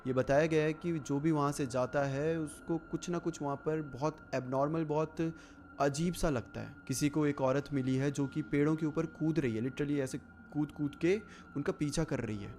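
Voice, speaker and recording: A man hosting a show, narrating a scary true story in a relaxed, conversational way. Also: a little high, a little hiss or hum. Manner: conversational, relaxed retelling with fillers. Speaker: horror story narrator and host. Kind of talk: casual storytelling.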